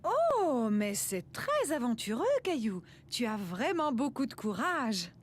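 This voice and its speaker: A high, lilting cartoon mom. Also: female voice, very animated, takes it slowly, slight background noise. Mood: playfully admiring. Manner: gentle, playful, exaggerated admiration. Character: affectionate, encouraging young mother of a little boy. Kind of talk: children's cartoon voice acting.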